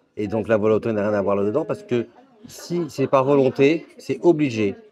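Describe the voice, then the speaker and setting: Speaking at a medium pitch, a man uses lively intonation while noticeable background noise carries on. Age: 60s. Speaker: former smoker. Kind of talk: interview.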